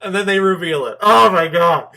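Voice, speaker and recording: A man with a high-pitched, bright voice hosts a casual film review. His delivery is emphatic and informal, with lively swings in pitch as he addresses his viewers directly. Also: moderate pace, gravelly, faint music behind, poor audio. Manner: animated, emphatic, informal with swearing.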